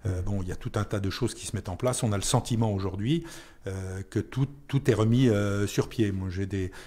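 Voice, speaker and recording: A man's voice: lowish voice, a little fast, dark tone. A man speaking as a town mayor in an unscripted radio interview, hesitating and repeating words as he searches for phrasing.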